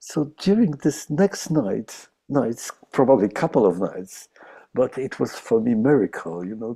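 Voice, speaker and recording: A man with a Polish accent, a dark, mellow tone, medium pitch and lively intonation, at a very slow pace in a dry, close sound with no echo. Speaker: jazz musician. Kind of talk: Q&A conversation. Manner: halting.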